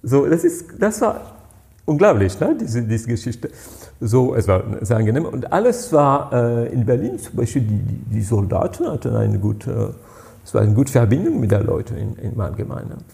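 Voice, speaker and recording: A man in his sixties with a French accent, a native French speaker, answering interview questions as a guest in German. He tells stories haltingly and searches for words, with many fillers. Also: medium pitch, big pitch swings, creaky, dark tone. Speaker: party president, guest.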